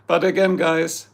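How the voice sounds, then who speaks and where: Brief: middle-aged German-accented streamer, hoarse, deeply gravelly, joking and rambling. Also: male voice. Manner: joking, chatty, reads out viewer comments. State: hoarse, losing his voice. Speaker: livestream host. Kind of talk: rambling casual chat with viewers.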